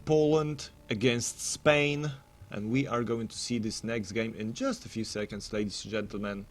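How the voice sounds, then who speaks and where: A man's voice: fairly low pitch, steady tone, normal speed. A man commentating live on a game tournament in a casual, rambling way, full of matey banter and mock-announcer flourishes.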